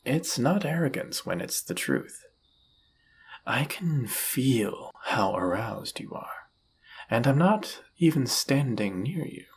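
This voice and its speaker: A man playing an arrogant demon prince of lust in an audio roleplay, speaking in a suave, condescending, flirtatious manner with a husky, gravelly voice. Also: mid-range voice, sing-song, slow, heavily acted. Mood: seductive, confident. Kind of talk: scripted audio roleplay addressed to the listener.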